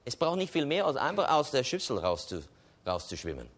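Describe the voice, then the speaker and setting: A man's voice: mid-range voice, wildly swooping pitch, fairly quick. A man preaching a sermon in a conversational way, often checking in with the congregation. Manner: conversational preaching, tags with "oder?".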